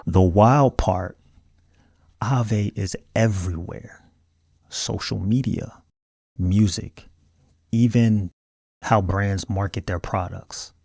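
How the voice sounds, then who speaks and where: A man's voice: lowish voice, takes it slowly, gravelly, long pauses, darkish tone, dry recording. A man with an African American accent delivers scripted video commentary in an earnest, emphatic, colloquial way. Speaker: video host.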